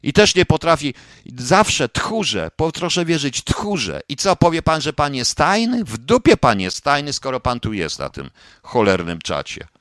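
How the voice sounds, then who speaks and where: A man's voice: fairly high pitch, wildly swooping pitch, unhurried, a bit bright, no echo, studio quality. Combative man grilling his live chat. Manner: combative, repeats pointed questions, swears. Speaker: online radio host reading a live chat. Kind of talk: casual live broadcast talk answering chat comments.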